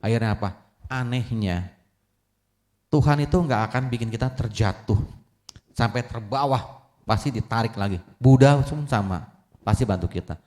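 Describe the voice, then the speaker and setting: Lively man giving a sermon. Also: mid-range voice, moderate pace, pauses often. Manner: lively, keeps asking the audience "betul nggak?". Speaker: Buddhist Dharma speaker.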